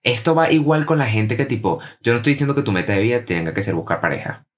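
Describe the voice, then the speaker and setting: A man's voice: medium pitch, expressive, fast. A Venezuelan man in casual podcast chat, telling stories animatedly and acting out quoted dialogue.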